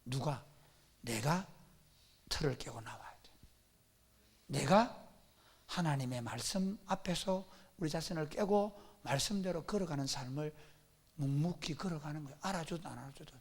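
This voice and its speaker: A man's voice: on the high side, moderate pace, pauses often, husky. A male pastor preaching a sermon at a church service, emphatic and full of rhetorical questions.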